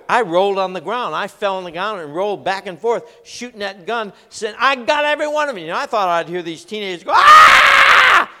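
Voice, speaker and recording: A man, preaching and telling a funny story with lively delivery. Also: fairly high pitch, big-room sound. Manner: animated storyteller, acts out voices and laughs. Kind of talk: humorous sermon illustration.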